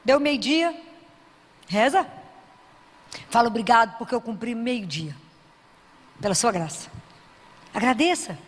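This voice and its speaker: A woman preaching a sermon, who keeps asking her audience questions and acts out prayers in a softer voice. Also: on the high side, animated, measured pace, long pauses, in a large hall. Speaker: Christian speaker.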